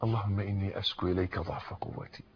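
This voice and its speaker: An Egyptian man preaching a sermon, moving from hushed pleading to fervent shouting. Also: sits low, flat delivery, quick pace, a little hiss or hum. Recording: dull lo-fi recording.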